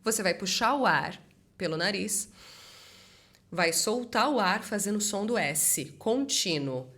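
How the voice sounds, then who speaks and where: A woman speech therapist teaching a voice exercise lesson in an energetic, direct coaching manner. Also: mid-range voice, measured pace.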